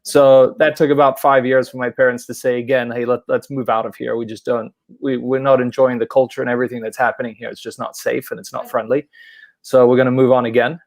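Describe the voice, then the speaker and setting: Gravelly-voiced Polish-born coach, dry sound. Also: male voice, medium pitch, quick pace, no echo. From Poland. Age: about 40. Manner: relaxed storytelling. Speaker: university soccer head coach. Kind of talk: podcast interview.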